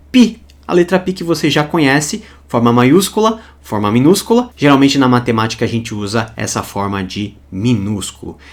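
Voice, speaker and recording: A man with a Brazilian Portuguese accent teaching a recorded lesson, slowing down to spell out sounds and examples. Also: medium pitch.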